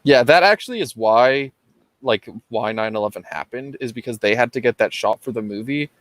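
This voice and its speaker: A man hosting a casual comedy podcast, trading jokes and laughing often. His voice sits at a middle pitch. The sound is dry and close, with no room around it. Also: fairly quick, no echo. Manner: joking, laughs often, deadpan list reading. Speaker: podcast host.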